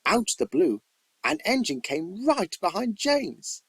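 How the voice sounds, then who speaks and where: An amateur male narrator reads a scripted story in a fairly high voice with a husky edge. His delivery is theatrical and emphatic, swinging widely in pitch from phrase to phrase. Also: very animated, a little slow, a bit bright, no echo.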